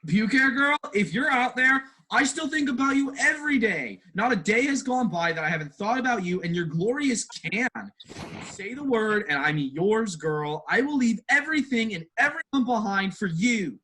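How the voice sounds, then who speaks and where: A man's voice: high voice, animated, moderate pace, sharp tone, heavily acted, low-quality recording. A man playing a cocky, oblivious frat-boy husband in a comedy sketch, swaggering in bro slang. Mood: smitten, shameless. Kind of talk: comedy sketch staged reading.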